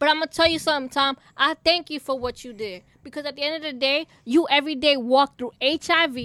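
Projected and raised, a woman's high, bright, sharp voice moves at a fairly quick pace with ordinary pitch variation and big swings in loudness. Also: hardly any pauses, dry, close sound with no echo. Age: 30s. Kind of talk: casual chat.

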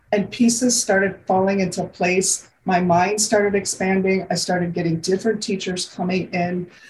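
Somewhat breathy, a woman of medium pitch speaks at a moderate pace. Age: 50s. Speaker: feng shui and metaphysics teacher. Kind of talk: teaching talk to online group.

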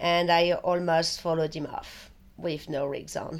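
The woman's pace is fairly slow. She keeps her intonation fairly even. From France, Paris. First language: French. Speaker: BASE jumper and graphic artist. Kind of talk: interview.

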